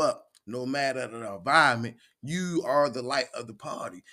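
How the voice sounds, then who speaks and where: The recording is very clean with a silent background. A man speaks at a moderate pace in a fairly high, bright, sharp tone with ordinary pitch variation. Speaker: podcast host. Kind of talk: solo motivational talk. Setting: live stream. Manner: filler-heavy, repetitive, conversational.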